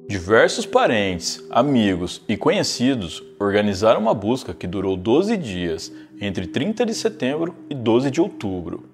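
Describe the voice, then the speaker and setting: A man, narrating a true crime case in a scripted, storytelling way as a video host. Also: fairly low pitch. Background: faint background music.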